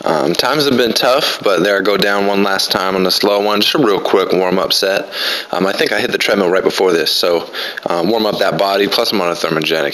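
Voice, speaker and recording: A man in his twenties giving relaxed, rambling voice-over commentary on his own workout, full of fillers. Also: lowish voice, poor audio. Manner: laid-back, rambling, many fillers. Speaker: fitness vlogger.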